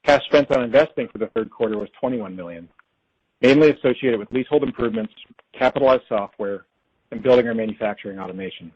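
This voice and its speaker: A man presenting as a company finance executive on an earnings call, reading prepared figures in a formal, measured way. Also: medium pitch, husky. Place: conference call. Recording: dull, lo-fi conference call audio.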